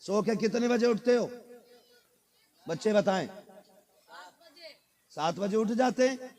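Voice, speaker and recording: A man's voice: sits high, takes it slowly, darkish tone, a faint crowd. A man with a North Indian accent preaching at a live gathering as a Muslim cleric, using rhetorical questions and emphatic repetition. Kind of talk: impassioned sermon to a live gathering. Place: live religious gathering with audience.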